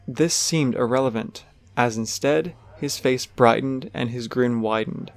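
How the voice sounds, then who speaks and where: A man's voice: medium pitch, a little slow, gravelly. A man giving scripted third-person narration for an audio drama.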